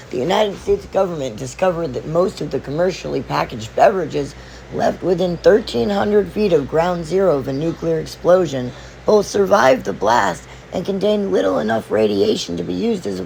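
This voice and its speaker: Gravelly, hoarse-voiced man explaining with gusto. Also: a little high, a little hiss or hum. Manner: animated, playful storytelling. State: hoarse, losing his voice. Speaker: video host. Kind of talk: explainer vlog narration.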